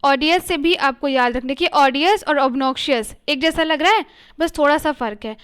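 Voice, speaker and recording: A woman's voice: sits high, moderate pace, a bit bright. A young woman teaching exam vocabulary, explaining each word patiently and often checking in with her listeners. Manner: patient, repeats "ठीक है" often, mixes English words into Hindi.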